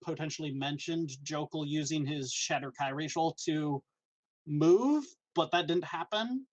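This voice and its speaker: A man playing a tabletop game, explaining his moves in a halting, casual way. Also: fairly high pitch, low-quality recording. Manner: halting, many restarts while explaining moves. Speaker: player.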